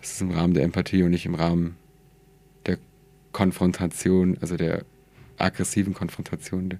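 Long, frequent pauses break up a man's very deep, low voice, its dark, mellow tone carried on monotone, flat intonation. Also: moderate pace. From Germany, Nuremberg. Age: 20s. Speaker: interview guest. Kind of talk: casual interview. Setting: radio studio.

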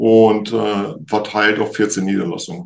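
A man's normal speaking voice, a normal speaking voice at medium pitch and a fairly slow pace. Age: 50s. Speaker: roofing company owner. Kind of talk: interview.

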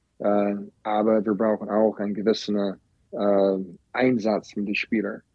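A man speaks at a very slow pace with a fairly low pitch. His intonation is flat and monotone. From US, Wisconsin (Green Bay). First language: English (speaking German). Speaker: ice hockey head coach. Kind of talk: interview. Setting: phone call. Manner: halting, many fillers.

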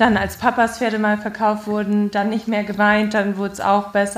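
Fairly quick speech from a woman with a medium-pitched voice. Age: 20s. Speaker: student and show jumper. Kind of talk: interview.

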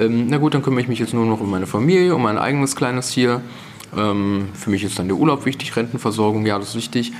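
The speaker goes at a very fast pace with ordinary pitch variation over noticeable background noise. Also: man. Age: 30s. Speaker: conservative party politician. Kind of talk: interview conversation.

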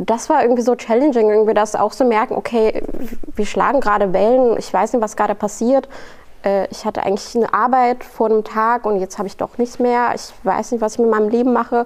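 Using fairly even intonation, a woman talks at a very fast pace in a fairly high pitch. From abroad, migrant to Germany. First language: not German (speaking German). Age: 20s. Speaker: journalist. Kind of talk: interview.

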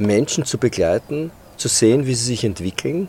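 Speaking at a moderate pace, a man with a plain, everyday voice and medium pitch shows ordinary pitch variation. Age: 50s. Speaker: tennis coach and career coach. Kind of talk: interview, casual chat.

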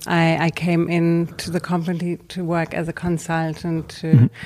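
Noticeable background noise behind a woman speaking at a moderate pace in a fairly low voice. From Heidelberg, Germany. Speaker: hospitality design consultant. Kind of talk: interview. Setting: office.

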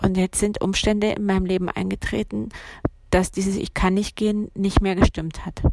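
The speaker is a woman. She keeps a moderate pace. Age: 40s. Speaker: podcaster, former civil servant. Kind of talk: personal monologue. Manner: unscripted, with hesitations.

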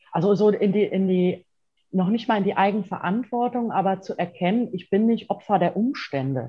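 A woman's somewhat breathy, medium-pitched voice with ordinary pitch variation at a moderate pace. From Rhineland, western Germany. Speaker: life and job coach, author. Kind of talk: interview. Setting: video call.

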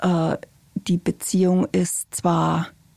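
The recording of this woman sounds dry and close, without any echo. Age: 50s. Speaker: escort. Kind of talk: casual chat.

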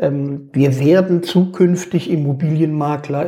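A man speaks very slowly in a fairly high voice, his intonation fairly even. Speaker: podcast host and real estate training provider. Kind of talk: casual interview. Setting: video call. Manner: hesitant, many filler sounds. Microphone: Teams call audio quality sometimes poor.

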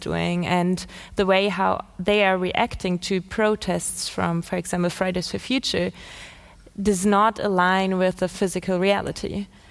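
A woman speaks fairly slowly in a normal speaking voice, with a medium pitch and fairly even intonation. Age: 20s. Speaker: climate activist. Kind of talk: panel discussion.

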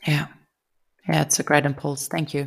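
A woman with a German accent on a very clean recording with a silent background. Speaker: podcast host. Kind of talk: interview.

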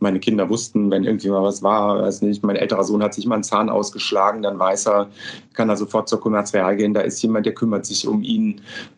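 A man's fairly low voice at a very fast pace, monotone and flat, with very even loudness. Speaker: real estate executive. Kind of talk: interview. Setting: office, remote call.

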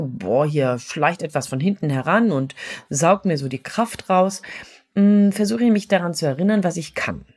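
A woman is speaking. Her pitch swings very widely. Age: 50s. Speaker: leadership trainer and coach, podcast host. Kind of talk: solo podcast monologue.

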